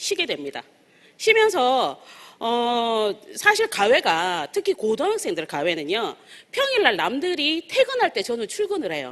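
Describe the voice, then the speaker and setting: The voice, with a Daegu accent, moves at a fairly slow pace through very wide pitch swings. The background is quiet. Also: woman. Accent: Gyeongsang (Daegu) dialect. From Daegu, South Korea. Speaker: network marketing business leader. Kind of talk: business presentation with personal story.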